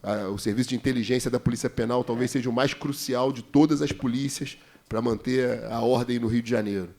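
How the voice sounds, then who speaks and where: A man's voice: medium pitch, steady tone, a little fast, darkish tone. Brazilian man giving a committee speech. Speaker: state legislator. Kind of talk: political speech at a committee hearing.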